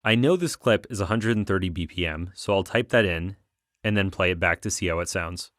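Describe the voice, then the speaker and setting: A man narrating a software tutorial as an instructor, explaining things clearly step by step on a close voice-over mic. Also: low voice, fairly quick, no room sound.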